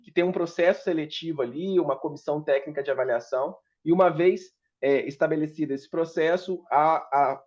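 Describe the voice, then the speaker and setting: A man's voice: fairly high pitch, a little mellow, muffled recording. A man giving a panel presentation as a startup founder, talking hesitantly with many fillers and restarts. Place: meeting room at a public forum.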